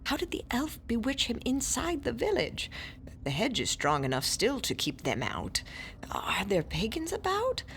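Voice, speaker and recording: A woman's voice: a little high, wildly swooping pitch, normal speed, gravelly, a bit bright, slight background noise, heavily acted. A woman playing a shrewd, scholarly older classicist who tells tales and scolds her companions in a theatrical manner. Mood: puzzling. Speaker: narrator and lead character. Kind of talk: audio drama acting.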